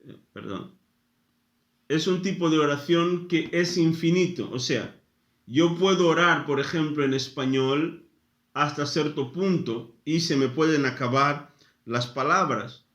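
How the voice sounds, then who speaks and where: A man preaching a sermon, speaking in short phrases with frequent pauses. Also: a little high, a bit bright, reverberant. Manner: slow, deliberate, pausing after short phrases. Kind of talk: sermon teaching.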